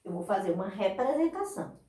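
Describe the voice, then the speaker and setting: Expressive woman teacher, echoey room. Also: mid-range voice, fast, far from the mic. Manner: patient, explanatory, asks students rhetorical questions. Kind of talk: recorded online class lesson.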